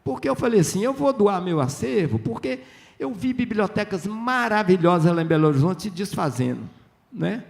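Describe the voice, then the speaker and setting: A man's voice: high voice, moderate pace, vocal fry. An older man from Minas Gerais, telling chatty stories as a writer on a literary festival panel, often acting out dialogue. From Minas Gerais, Brazil. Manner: lively, chatty, tag questions, acts out dialogue.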